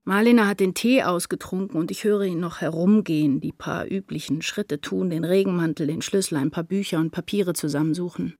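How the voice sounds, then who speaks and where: An anguished woman writer, mellow and low. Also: brisk, hardly any pauses, no room sound, clean studio sound. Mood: melancholy, restless. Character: anguished, brooding woman writer, obsessed with her lover. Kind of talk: literary radio drama monologue and dialogue.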